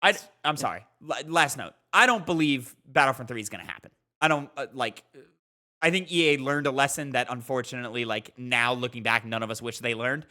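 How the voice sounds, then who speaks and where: A man's voice: medium pitch, a little fast, bright, forceful tone. A man chatting casually about games as a podcast co-host, informal and emphatic. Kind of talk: casual gaming chat.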